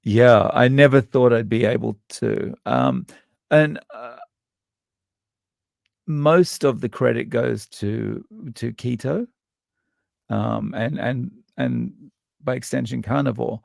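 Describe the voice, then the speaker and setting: A man with an Australian accent, a guest in a casual interview, talking in a halting, thoughtful way with frequent restarts and fillers. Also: medium pitch, animated, creaky, darkish tone, no echo, clean studio sound.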